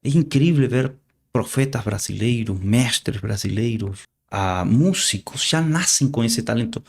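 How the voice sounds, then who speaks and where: A man from Argentina with an Argentine Spanish accent, a native Spanish speaker who talks earnestly and haltingly, repeating words as he preaches in an interview. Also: medium pitch, lively intonation, gravelly. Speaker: guest preacher.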